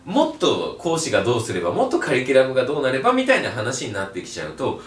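A man giving a blunt, animated video lecture as an online resale instructor. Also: medium pitch, fast talker, far from the mic, slight background noise. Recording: roomy echo, mic set back.

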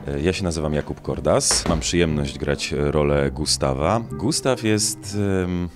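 A young man, an actor, talking in a measured, halting way in an interview. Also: very deep voice. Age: young adult. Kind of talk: interview talk. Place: indoor corridor. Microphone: handheld reporter microphone. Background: music.

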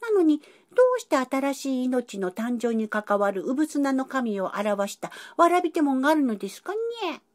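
A woman's voice: high voice, very animated, normal speed, few pauses, a little mellow. A woman voicing a curious young cat who eagerly asks polite questions. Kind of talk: educational dialogue.

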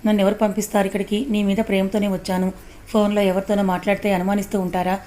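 A woman voicing a suspected young woman who answers back nervously and indignantly, in a mellow, even voice. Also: mid-range voice, very fast, close to an everyday voice. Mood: defensive. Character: defensive young woman under suspicion.

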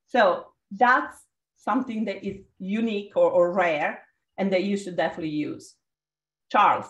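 A woman's voice: mid-range voice, moderate pace, echoey room, dull audio. Italian-accented woman leading a video workshop. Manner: energetic, encouraging, calls on participants. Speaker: workshop facilitator. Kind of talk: leading a group video call. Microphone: video call.

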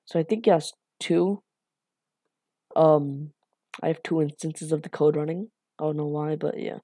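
A woman walks through a coding tutorial in a low, mellow voice, rambling with fillers and apologizing for her slips. Her voice sounds a little raspy from the late hour. The recording is close and dry. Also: steady tone, unhurried, no room sound. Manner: rambling, self-deprecating, lots of fillers and apologies. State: a bit raspy from being up late.

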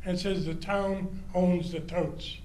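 An older man speaking as a citizen at a public comment microphone in a large council chamber, friendly and halting, with many restarts. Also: high-pitched, fairly even intonation, a little mellow. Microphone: standing microphone. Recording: roomy hall sound, faint hum.

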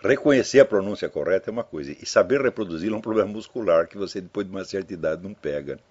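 A man's voice: deep voice, animated, rapid-fire, darkish tone, slightly rough. An older man giving casual, rambling spoken commentary to his listeners, telling anecdotes and dropping in frequent tag questions. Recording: dull lo-fi audio.

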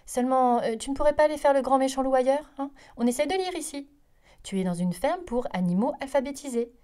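A chatty farm pig rattles off condescending advice in a raised, mellow voice, as a woman puts him on. He is a storybook know-it-all, quick and pushy. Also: high-pitched, lively intonation, voice pushed up. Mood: patronizing. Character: bossy, chatty farm pig who reads.

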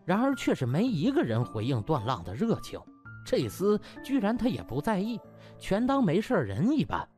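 Very animated male audiobook narrator. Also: high-pitched, normal speed, soft background music. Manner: colloquial, theatrical, mocking. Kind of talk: comic dramatized storytelling.

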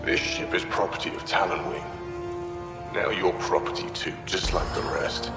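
Man playing a booming, echoing, menacing pirate boss. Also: fairly even intonation, moderate pace, over loud music, close to an everyday voice. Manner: barking, threatening. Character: menacing, short-tempered male space pirate boss. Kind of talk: video game cutscene dialogue.

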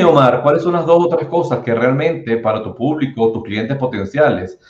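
A man's voice: a little high, a little mellow. A middle-aged man hosting a webinar panel, talking enthusiastically and chattily with frequent fillers. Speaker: webinar host. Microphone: video call, laptop mic. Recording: roomy, dull video call audio.

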